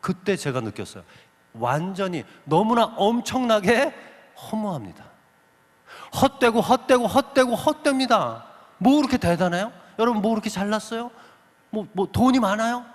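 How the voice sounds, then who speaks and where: A man with a high voice gives a vivid testimony before a church congregation. His pitch swings widely as he acts out voices and questions his listeners. His voice rings out with the long reverb of a big sanctuary. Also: fairly quick. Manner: lively storyteller who acts out quoted voices and asks the audience questions. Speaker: guest speaker giving a testimony. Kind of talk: animated testimony talk to a congregation.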